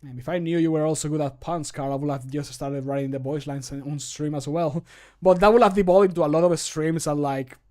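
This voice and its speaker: A man's voice: a little high, fairly even intonation, a little fast, a little mellow. A middle-aged man chatting casually on a live stream in a playful, joking, self-deprecating way. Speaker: streamer and Skyrim modder. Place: home room, indoors.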